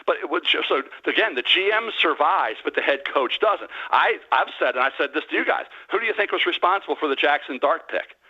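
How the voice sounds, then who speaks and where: A man in his sixties calling into a sports radio show over a landline phone, giving blunt, emphatic opinions in quick bursts. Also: fairly high pitch, animated, slightly rough. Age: 60s. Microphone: landline telephone. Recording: dull lo-fi phone line.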